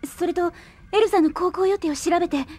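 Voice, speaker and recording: Young lady boss in anime drama cd, high voice, caring but decisive. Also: brisk, darkish tone, faint music behind. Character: bright, caring, decisive young female team leader. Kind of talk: anime audio drama acting.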